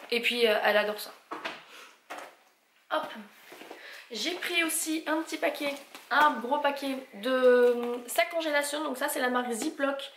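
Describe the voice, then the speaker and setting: Woman doing a haul vlog, highish voice, chatty, echoey room w/ a bit of hiss. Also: unhurried, long pauses, a bit bright. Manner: chatty, lists prices, stumbles on English brand names. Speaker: vlogger showing a shopping haul. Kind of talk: casual haul vlog chat. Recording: echoey room with faint noise.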